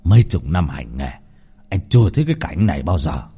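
A man voicing a blunt old male exorcist who mutters gruffly. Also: deep voice, big pitch swings, fairly quick, dark tone, pitched below the performer's own voice, exaggerated voice. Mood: grumbling. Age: older.

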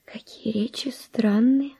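Pious sad young spanish widow in a radio drama, hushed solemn voice, bit of creak, mellow. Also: female voice, fairly high pitch, steady tone, slow, full character voice. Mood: confused, wary. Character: devout, grieving young Spanish noble widow, modest and reserved. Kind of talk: theatrical verse radio drama.

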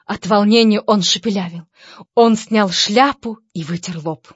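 A woman's voice: mid-range voice, unhurried, slightly rough, no echo. Wry woman audiobook narrator. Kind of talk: scripted narration. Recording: slightly dull dry recording.

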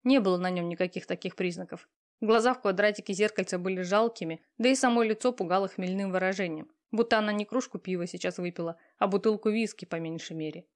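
A woman reading novel narration in an even storytelling manner. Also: mid-range voice, fast. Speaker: audiobook narrator. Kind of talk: scripted narration.

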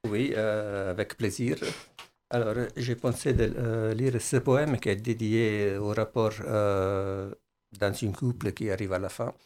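A man's voice: lowish voice, steady tone, measured pace, darkish tone, a little hiss or hum. A man with an Italian accent, a guest artist in a radio interview, speaking hesitantly with many fillers. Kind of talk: interview, then poetry reading.

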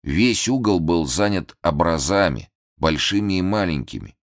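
A man reading a novel aloud as an expressive audiobook narrator. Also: sits low, normal speed, no echo, studio quality. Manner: expressive storytelling. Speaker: audiobook reader. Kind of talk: scripted narration.

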